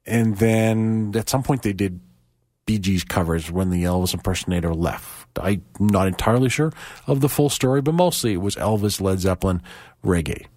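Hoarse, low-voiced male radio DJ. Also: normal speed, a little mellow, no room sound, studio quality. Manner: loose and chatty, with fillers and asides. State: hoarse, croaky voice. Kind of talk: relaxed radio back-announcing.

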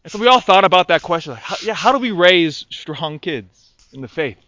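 A man's voice: high voice, animated, brisk, bright, forceful tone, no room sound, lo-fi sound. A man speaking as a Catholic priest, giving liturgical readings and a homily in an intoned or conversational, rhetorical manner.

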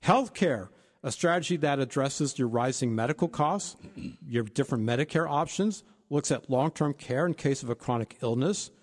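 A man's voice: medium pitch, moderate pace, long reverb tail. A man co-hosting a financial advice talk, laying out retirement planning points one by one. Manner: steady explanatory, lists points. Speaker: financial advisor co-host.

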